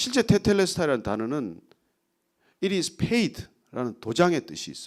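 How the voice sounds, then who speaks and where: Very wide pitch swings in a fairly high male voice, moderate in pace. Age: 60s. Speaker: pastor. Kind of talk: lecture-style sermon. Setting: church.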